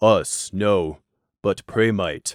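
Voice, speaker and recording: A man with a fairly low pitch does a put-on, growling character voice. The recording is very clean with a silent background. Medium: read story. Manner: practical, deferential.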